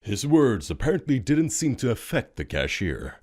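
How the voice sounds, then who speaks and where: A man narrating a scripted audio drama story in a dramatic, expressive storytelling manner. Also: medium pitch, moderate pace. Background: music.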